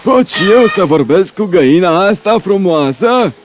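A man voicing a cheerful, generous old man who is eager to trade, talking in a polite and excitable way. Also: high-pitched, background noise. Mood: curious. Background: background music.

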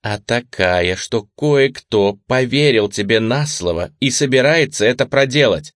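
A man's voice: mid-range voice, animated, unhurried, no room sound, clean studio sound, lightly acted. A man reading an audiobook and voicing a hard, sarcastic female agent who gives orders in a cold, mocking tone.

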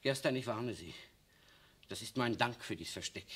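A man's voice: medium pitch, lively intonation, normal speed, a bit bright, husky. An actor playing a defiant, bitter young Jewish man in hiding, speaking intensely in a 1960s radio drama. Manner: intense, declamatory.

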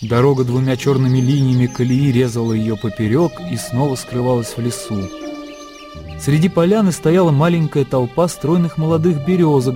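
A man narrating a radio drama in a calm, measured storytelling manner. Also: medium pitch.

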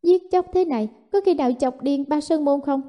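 A woman voicing an anxious young holy maiden who asks quick, worried questions. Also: high voice, dull audio, voice pushed up, natural voice.

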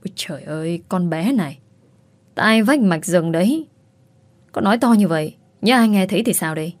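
A woman's voice: on the low side, lively intonation, moderate pace, a little mellow, dry recording. A woman voicing a scheming, bossy middle-aged mother in a spoken story. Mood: scolding. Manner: fussing, wailing, bossy. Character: scheming wealthy middle-aged mother pushing her daughter.

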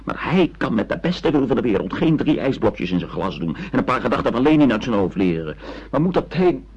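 Bitter, husky hard-drinking son. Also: male voice, mid-range voice, big pitch swings, fairly quick, a little mellow. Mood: bitter, agitated. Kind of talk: radio play acting in Dutch. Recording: dull, muffled radio drama recording.

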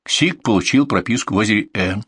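A man reading nonfiction essays aloud as an audiobook narrator, in a measured, deliberate manner that slows down for lists and examples. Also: lowish voice, animated, fairly bright tone, husky, no room sound, clean studio sound.

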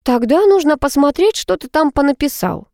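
A woman's voice: sits high, expressive, moderate pace, creaky, no echo, clean studio sound, pitched above the performer's own voice. A woman voicing an irritable, stubborn young female student who talks back sharply. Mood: bossy, stubborn. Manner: snappish, sharp-tongued.

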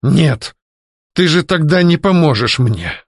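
A man's voice: fairly high pitch, lively intonation, slow, slightly rough, no room sound, pitched above the performer's own voice, exaggerated voice. A jealous, hot-headed ghost of a husband, voiced by a man reading a story. He rants and begs in a raised voice that swings wildly up and down. The recording is dry and close. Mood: sulky. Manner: shouting, petulant, pleading. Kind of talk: audiobook character voicing.

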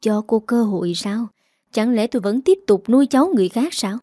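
A woman's voice: on the high side, lively intonation, fairly quick, dry recording, studio quality. A woman voicing a harsh, furious mother-in-law who gives orders, in an audio story. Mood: commanding. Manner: shouting, commanding.

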